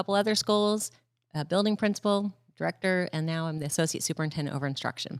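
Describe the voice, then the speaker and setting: A woman with an American accent speaks very fast at a fairly low pitch with ordinary pitch variation. The recording is very clean, dry and close, with a silent background and no echo. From Colorado. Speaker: school administrator. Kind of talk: casual interview chat.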